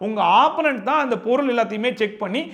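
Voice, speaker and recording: High-voiced fast-talking male show reviewer. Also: highs cut off. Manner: sarcastic, animated, rhetorical questions. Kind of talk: fast opinionated commentary.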